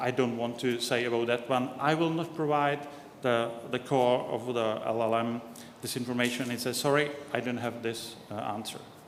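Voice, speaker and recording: Fairly even intonation comes at a moderate pace. Noticeable background noise and audible room echo fill the recording. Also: man. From Czech Republic. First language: Czech. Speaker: conference speaker. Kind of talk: conference presentation. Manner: halting, many fillers.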